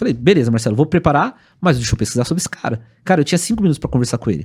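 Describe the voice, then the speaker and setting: Speaking at a very fast pace, a man with a fairly high, somewhat breathy voice swings very widely in pitch. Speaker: real estate developer. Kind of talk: podcast interview.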